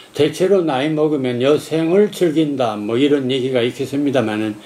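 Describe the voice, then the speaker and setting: A fairly high-pitched man varies his pitch in an ordinary way while noticeable background noise plays. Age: 80s+. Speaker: retired professor and poet lecturing. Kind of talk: lecture. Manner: halting, with many filler sounds.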